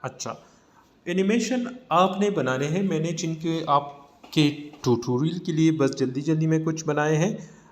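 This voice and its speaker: A man with a South Asian accent gives a casual software tutorial, explaining informally step by step. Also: on the high side, a little slow. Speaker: tutorial presenter. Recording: noticeable background noise.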